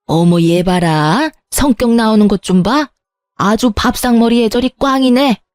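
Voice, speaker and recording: A woman's voice: a little high, unhurried, darkish tone, no echo, lightly acted. A woman voicing a nagging, scornful mother-in-law. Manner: sighing, nagging and belittling.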